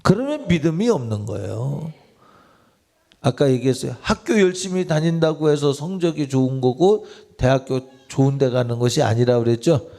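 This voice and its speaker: A man's voice: mid-range voice, animated, normal speed, creaky, dark tone. A man, a pastor, preaching a sermon in a church, with a conversational style and direct questions put to listeners. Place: church sanctuary.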